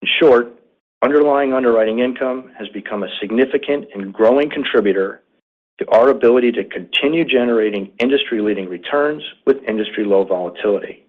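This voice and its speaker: A man giving a formal, scripted financial presentation as a company executive on an earnings call, with measured delivery of figures. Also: mid-range voice. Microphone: conference call line. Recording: narrow tinny phone-line sound.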